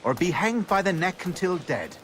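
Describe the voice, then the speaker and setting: An actor playing a stern Templar official who speaks in a crisp, formal way. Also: male voice, high-pitched, very animated, normal speed, fairly bright tone, slight background noise. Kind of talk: video game cutscene acting.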